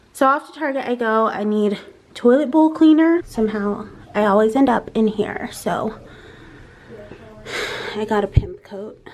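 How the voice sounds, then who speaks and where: A woman vlogging in a casual, chatty, informal way, peppering her talk with "like". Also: mid-range voice. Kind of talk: casual chat to camera. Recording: clear background noise.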